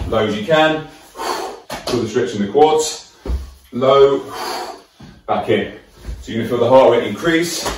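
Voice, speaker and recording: Light background noise and audible room echo surround the recording. A man speaks with ordinary pitch variation. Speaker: fitness instructor. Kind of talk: guided workout demonstration. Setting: video, indoors hotel-style room. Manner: encouraging, coaching cues; steady, rhythmic rep counting. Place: home room. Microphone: camera far.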